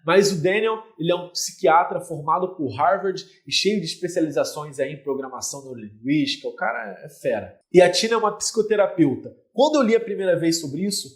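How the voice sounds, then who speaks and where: A man's voice: on the high side, lively intonation, fairly quick, few pauses. A man with a Brazilian Portuguese accent, a relationship mentor talking straight to the viewer and explaining with everyday images. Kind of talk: direct-to-camera coaching talk.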